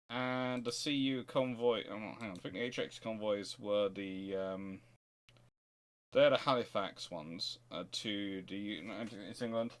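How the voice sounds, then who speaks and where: A man's voice: mid-range voice, a bit bright, clean tone. A man hosting a history question show, thinking aloud in casual, rambling answers and repeating his phrases as he goes.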